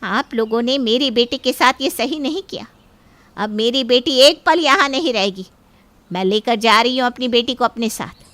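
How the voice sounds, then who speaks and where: A woman with a high, bright voice speaks sternly and forcefully. The close, dry recording keeps every word sharp. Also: moderate pace, no echo. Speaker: voice actor in an audio story. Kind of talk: dramatic storytelling dialogue.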